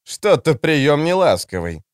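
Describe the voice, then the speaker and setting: A man's voice: a little high, very animated, measured pace, smooth, dry recording, clean studio sound, voice pushed up. A man reading an audiobook, voicing a smug, theatrical grown man with a grandiose, mock-dramatic manner.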